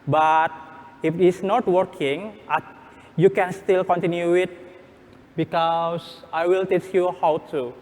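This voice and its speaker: A man presenting a hands-on workshop step by step in non-native-sounding English, halting and repeating his phrases. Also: sits high, fairly even intonation, a little mellow. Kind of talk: live hands-on tutorial, step-by-step instructions. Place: workshop room at a conference. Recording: echoey hall, background room noise.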